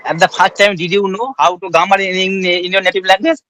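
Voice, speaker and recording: Polite Bengali-accented man, high voice. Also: fairly even intonation, brisk, bright, forceful tone, no room sound. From West Bengal, India. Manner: polite, formal questions, says "ma'am". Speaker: interviewer. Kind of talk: conversation practice interview.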